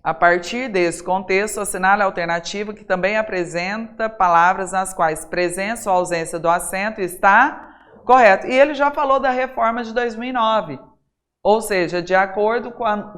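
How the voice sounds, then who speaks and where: Lively Brazilian woman teaching an exam-prep class. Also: medium pitch. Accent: Brazilian Portuguese. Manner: lively, talks straight to students, rhetorical questions; stresses single words by saying them slowly and loudly. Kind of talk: recorded classroom lesson.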